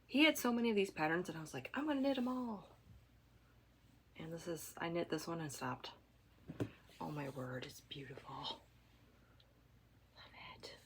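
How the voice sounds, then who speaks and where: A congested woman hosts her knitting video podcast from home. Her voice sits a little low, and she rambles comfortably, with fillers and trailing asides. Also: normal speed, long pauses, background noise. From Michigan, USA. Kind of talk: casual chat to camera.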